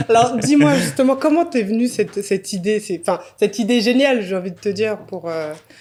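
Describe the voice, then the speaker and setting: With lively intonation and hardly any pauses, a woman speaks at a medium pitch and a fairly quick pace over noticeable background noise. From France, Paris. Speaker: illustrator. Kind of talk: podcast interview. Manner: halting.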